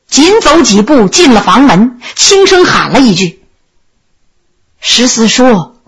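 A woman telling a traditional historical tale in an expressive oral storytelling style, acting out each character. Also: sits high, slightly rough. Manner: expressive, swinging between voices.

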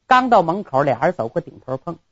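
A woman's voice: lowish voice, very animated, a little fast, fairly bright tone, husky, no room sound, dull audio. A woman performing a traditional story, dramatic, with sound words and asides to listeners.

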